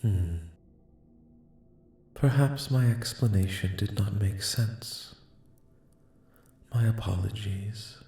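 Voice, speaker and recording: A man voicing a calm, courteous alien collective in a soft-spoken ASMR roleplay, speaking in slow, formal, reassuring phrases. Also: on the low side. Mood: gently reassuring. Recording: echoing, reverberant voice.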